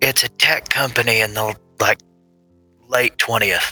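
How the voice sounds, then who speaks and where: A man's raspy, whispered put-on character voice at a moderate pace, dry and close with no echo, over faint background music. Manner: stage whisper.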